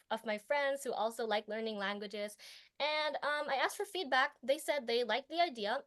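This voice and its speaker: A young teenage girl with a fairly high voice speaks to a competition panel. She recites her prepared pitch, then fields questions with earnest pauses and fillers. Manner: delivers a memorized pitch, then answers judges with hesitant fillers. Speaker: student presenter.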